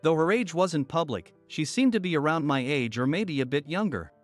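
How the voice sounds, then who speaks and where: A man narrating a first-person story in a steady, even storytelling manner. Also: a little high, moderate pace. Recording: soft music bed under voice.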